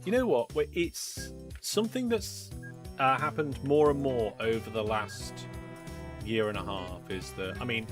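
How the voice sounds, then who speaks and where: Speaking a little slowly in a medium-pitched voice, a man runs a live game stream with music behind him. He narrates his play in a chatty way, reads viewer messages out loud, and feigns alarm in response.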